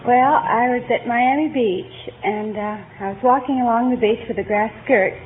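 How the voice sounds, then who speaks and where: Woman on a quiz show, high voice, giggly storytelling, lo-fi old tv audio. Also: normal speed, heavy background noise. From New York. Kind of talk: telling an anecdote. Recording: lo-fi 1950s broadcast audio.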